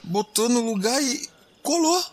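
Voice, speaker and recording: A man's voice: very high-pitched, animated, unhurried, noisy background. A man with a Brazilian accent playing a bewildered, squeamish young explorer in a horror audio drama, colloquial and incredulous. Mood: horrified. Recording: music behind the voice.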